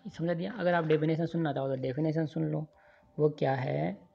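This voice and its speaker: Over handwritten notes in an online engineering lecture, a man drills formulas and checks in with his students often. His voice is a little high, gravelly and dark in tone. It's a voice-over on a screen recording, and the audio sounds muffled.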